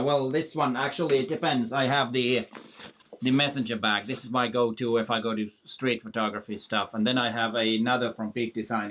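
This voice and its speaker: A man's voice: mid-range voice, a bit bright, slight background noise. A man from Finland, hosting a casual live stream and reading out viewer questions in a friendly manner.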